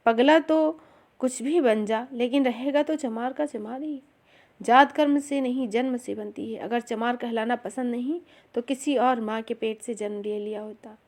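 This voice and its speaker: A woman's voice: fairly high pitch, unhurried, a little mellow. A woman voicing a mocking elderly village elder who lectures scornfully. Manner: scornful, preachy.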